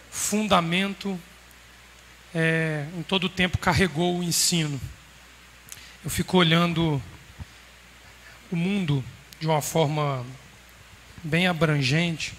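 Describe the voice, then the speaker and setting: A man preaching a sermon to a congregation in a measured, emphatic way with pauses. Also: on the high side, fairly bright tone. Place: congregation hall. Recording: roomy hall reverb, faint background noise.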